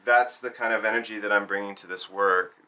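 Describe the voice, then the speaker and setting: Low bright-toned Zambian-born man, set back from the mic. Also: fairly even intonation, a little fast, recorded from a distance. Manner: reflective, searching, many restarts. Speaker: burlesque and cabaret performer. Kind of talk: documentary interview.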